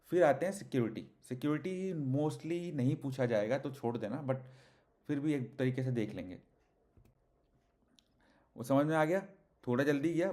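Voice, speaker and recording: A man's voice: medium pitch, mellow. A young man teaching a casual tech lesson, chatty, often checking with the viewer and calling them brother. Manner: chatty, addresses viewers as bhai, asks rhetorical checks. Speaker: tech tutor.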